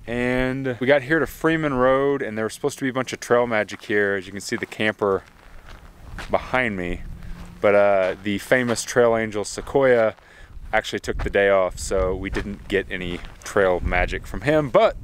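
A man, talking casually into a handheld camera outdoors while thru-hiking, upbeat but trailing into low mutters. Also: normal speed, slight background noise. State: slightly winded from climbing. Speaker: thru-hiker vlogger. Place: outdoors in open desert. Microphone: handheld camera at arm's length.

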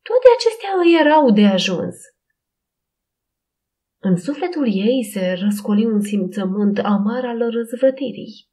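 A woman's voice: a little high, expressive, mellow. Woman narrating a Christian audiobook.

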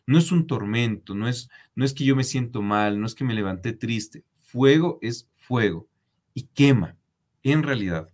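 A man's voice: medium pitch, moderate pace, a little mellow. A man giving a religious commentary on a letter. He is emphatic and repetitive, addresses his viewers directly and asks them to comment. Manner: emphatic repetition, frequent restarts. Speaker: preacher.

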